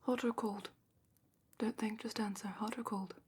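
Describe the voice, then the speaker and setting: A woman playing a calm, probing dragon-academy examiner in a whispered ASMR roleplay, speaking softly and deliberately with thoughtful pauses. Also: medium pitch, slight background noise, close to an everyday voice. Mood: probing, musing. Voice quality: soft, breathy whisper.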